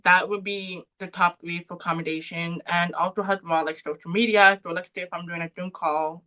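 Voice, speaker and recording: A young woman with a soft, bright voice talks as a podcast guest. She explains things earnestly and lays out her thoughts point by point, in an easy, conversational interview style. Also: fairly low pitch, fairly even intonation, brisk. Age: young adult. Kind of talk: casual interview talk.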